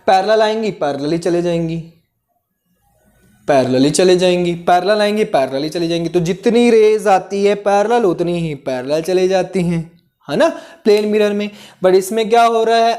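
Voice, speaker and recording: With a high, darkish voice, a male teacher explains physics step by step in a classroom lesson, switching between Hindi and English terms. He keeps repeating the important phrases and frequently checks that the students understand.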